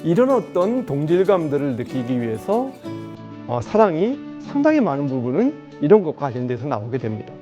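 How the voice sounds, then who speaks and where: A middle-aged man, a Korean teacher, giving a lively lecture to a studio audience and often asking them questions. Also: on the high side, a little fast, faint music behind.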